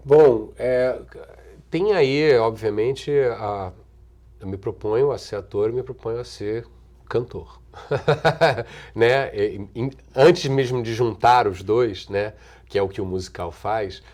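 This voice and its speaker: A middle-aged man with a Brazilian accent, an actor and singer answering interview questions thoughtfully, with restarts, trailing pauses and frequent chuckles. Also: medium pitch, a little mellow. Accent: Brazilian Portuguese. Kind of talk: relaxed conversational interview answers.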